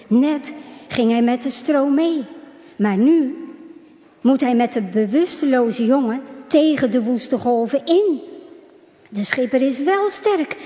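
A woman narrating a religious children's story, reading in a slow, measured way. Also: high voice, warm tone. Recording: reverberant, dull lo-fi sound.

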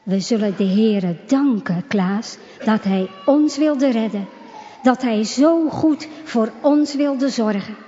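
A woman's voice: on the high side, takes it slowly, warm tone, a little hiss or hum. A woman voicing a strong, devout male skipper who is exhausted and fatherly, calling out urgently and praying with a trembling voice. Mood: prayerful. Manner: urgent calls, then trembling prayerful words. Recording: reverberant, dull lo-fi sound.

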